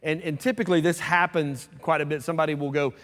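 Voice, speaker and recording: A man preaching a sermon as pastor, talking fast and conversationally with asides to the congregation. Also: fairly high pitch, steady tone, a bit bright. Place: church sanctuary. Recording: long church hall reverb.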